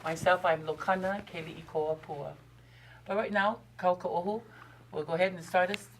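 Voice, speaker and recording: A woman moderating a forum, speaking in a gentle, welcoming way and using Hawaiian words. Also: lowish voice, steady tone, normal speed, slight background noise, poor audio. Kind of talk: formal welcome and introductions. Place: TV studio.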